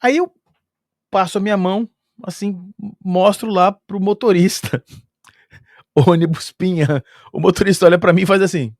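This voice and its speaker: Lively Brazilian man telling a travel story. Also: sits high, measured pace, long pauses, no echo, clean studio sound. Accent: Brazilian Portuguese. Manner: lively, chuckles often, sound-effect filler words. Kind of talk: casual spoken storytelling.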